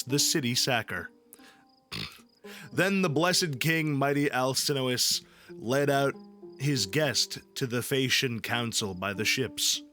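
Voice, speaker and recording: A livestream host with a medium-pitched, bright and forceful voice chats casually and reads aloud over ambient background music. His style is playful and irreverent, packed with jokes and profanity.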